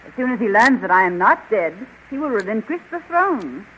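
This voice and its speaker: A woman's voice: on the high side, very animated, fairly quick, fairly bright tone. An actress playing a proud, imperious witch queen in a theatrical, regal 1930s radio serial style. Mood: commanding. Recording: muffled, noisy 1930s radio recording.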